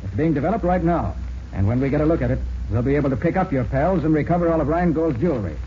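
An actor playing a shrewd, confident master detective, crisp and assured, in 1940s radio style on a muffled old recording. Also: male voice, fairly high pitch, expressive, fast, a little hiss or hum, natural voice. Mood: triumphant.

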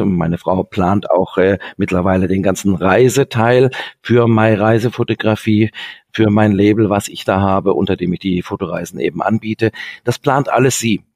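Man from Sicily, fairly low voice, relaxed storytelling interview guest. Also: creaky, dry recording, studio quality. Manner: chatty, many fillers, tells anecdotes. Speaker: travel photographer guest.

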